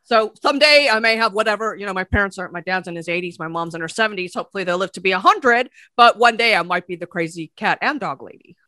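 A woman from Buffalo, New York, a guest chatting casually as a cat behavior expert, lively and laughing easily. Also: mid-range voice, quick pace, hardly any pauses, no room sound. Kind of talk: casual chat.

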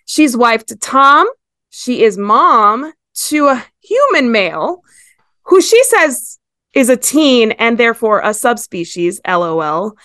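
Podcast host, woman, 30s, from Ecuador, chatty and bright, dry booth sound. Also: a little high, big pitch swings, takes it slowly, no echo. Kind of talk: casual chat.

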